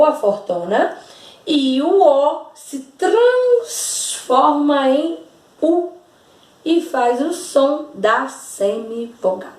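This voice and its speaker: A Brazilian woman teacher speaks slowly and patiently, stretching out words so their sounds come through clearly. Her voice sits a little high and reaches the mic from a distance. It rings around a very echoey room. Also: darkish tone. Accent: Brazilian Portuguese. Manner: slow and patient, drawing out words to demonstrate sounds. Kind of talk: slow, over-articulated classroom explanation.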